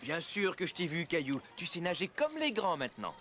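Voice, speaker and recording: A man voicing a calm, friendly father in a cartoon dub, patiently explaining things. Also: fairly high pitch, brisk, heavy background noise.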